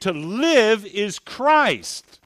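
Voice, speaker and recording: The man speaks in an animated tone with an American accent and very wide pitch swings. His voice sounds dry and close with no echo, in a very clean recording over a silent background. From Buffalo, New York. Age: 60s. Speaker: guest preacher sharing testimony. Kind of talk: sermon. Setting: church. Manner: emotional, tearful.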